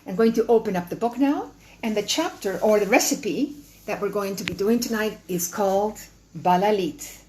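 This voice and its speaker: Speaking straight to her audience, this cooking show host is a chatty, welcoming middle-aged woman from Canada and Chile on a live stream. Her voice is medium-pitched, slightly mellow, and moderately paced. The recording, from a camera her son holds far off, sounds distant and roomy, with a faint hum underneath.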